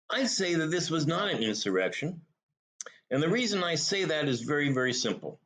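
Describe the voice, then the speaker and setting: A man's voice: mid-range voice, fairly bright tone. A man hosting a talk show, giving opinionated commentary in an emphatic way with rhetorical questions and short, punchy repeats.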